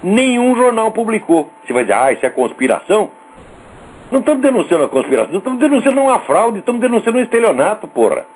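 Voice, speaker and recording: A man's voice: extremely high pitch, sing-song, racing, hardly any pauses, darkish tone, breathy edge, rough recording. A male radio host with a Brazilian accent, ranting in a scornful, profane and sarcastic monologue. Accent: Brazilian Portuguese.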